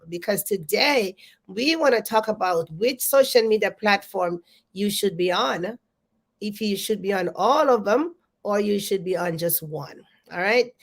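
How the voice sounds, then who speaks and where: A congested woman hosts a live stream about business coaching. She talks with lots of energy and speaks straight to her viewers, repeating her greetings and questions. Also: medium pitch.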